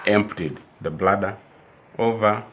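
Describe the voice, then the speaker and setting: An older man, a medical doctor and theologian telling his personal testimony in a measured storytelling way. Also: fairly low pitch, dull audio, a little hiss or hum. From Uganda. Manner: measured storytelling, repeats dates and restarts phrases.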